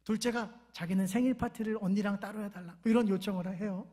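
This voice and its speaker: A middle-aged man preaches with a high, somewhat husky voice. He talks to the congregation casually, tells stories about home life and has them repeat key phrases back to him. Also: fairly even intonation, fast, dark tone. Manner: conversational preaching with everyday stories and call-and-response. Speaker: pastor. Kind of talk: sermon.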